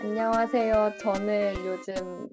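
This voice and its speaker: Mid-pitched woman talking over music. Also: flat delivery, takes it slowly. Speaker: podcast co-host. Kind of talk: casual chat. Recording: music clearly playing behind the talk. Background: background music.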